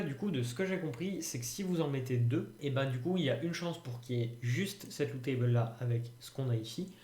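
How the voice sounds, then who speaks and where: This French YouTuber has a warm, mid-range voice and keeps his screen-recorded tutorial casual, thinking out loud and frequently pausing or using fillers. It sounds like a roomy home recording.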